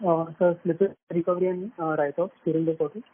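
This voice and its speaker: A man's voice: on the high side, steady tone, fast. A man, an analyst asking short questions on an earnings call. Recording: noisy, tinny phone line.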